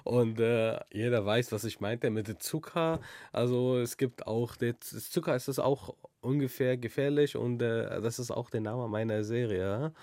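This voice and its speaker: A young man, a comedian answering interview questions in halting with many fillers. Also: mid-range voice, fairly even intonation, a little mellow, no room sound. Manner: halting non-native German, thinks aloud with many fillers.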